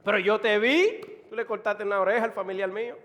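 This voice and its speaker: A Dominican preacher voicing an indignant male relative who loudly accuses someone, in a reverberant hall. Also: high voice, fast. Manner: loud, heated and accusing.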